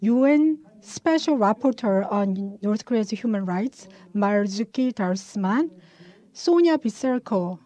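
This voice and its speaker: A woman working as a live interpreter of a formal speech, with a measured, halting delivery. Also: mid-range voice, expressive, dark tone.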